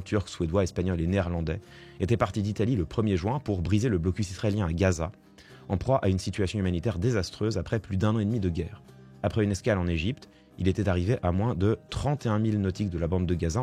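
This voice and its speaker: A man's voice: deep voice, warm tone. A man commenting live on the news, reading reports aloud and then adding indignant remarks with many fillers. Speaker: political commentator.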